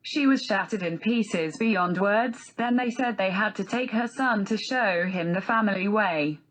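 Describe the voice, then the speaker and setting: A synthetic text-to-speech woman's voice reading a novel aloud as scripted narration, with a flat synthetic delivery. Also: medium pitch, a little slow, poor audio.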